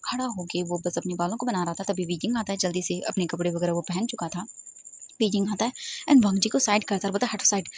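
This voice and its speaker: A woman narrating a fan-fiction romance story in a conversational, animated retelling. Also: lowish voice, fast talker, slightly rough.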